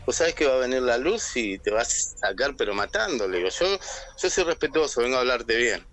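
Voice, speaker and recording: Calling in to share a personal story on air, a man with an Argentine Spanish accent imitates the voices he quotes. His mid-range, fairly bright voice swings widely in pitch and moves fairly quickly.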